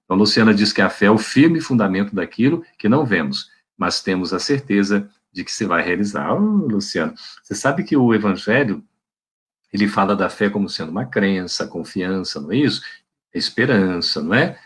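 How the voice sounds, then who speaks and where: A man's voice: fairly low pitch, expressive, fairly quick, slightly rough. A man giving a devotional spiritist talk to an online audience in a colloquial preaching manner, often adding tag questions. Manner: warm, colloquial preaching with frequent "né?" tags. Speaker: spiritist lecturer. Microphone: video call.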